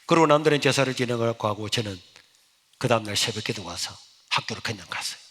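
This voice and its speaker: A middle-aged male pastor with a Gyeongsang accent, telling a lively story in a sermon. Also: medium pitch, fast talker. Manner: animated, storytelling. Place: church sanctuary. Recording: echoey church hall.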